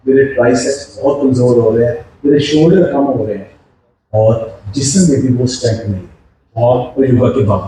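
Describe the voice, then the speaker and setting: A man's voice: mid-range voice, dark tone. A man in his sixties with a Pakistani accent explains health matters, posing questions and mixing in English terms. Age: 60s. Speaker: health educator. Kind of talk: explanatory health video talk. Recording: echoey, distant mic, faint noise.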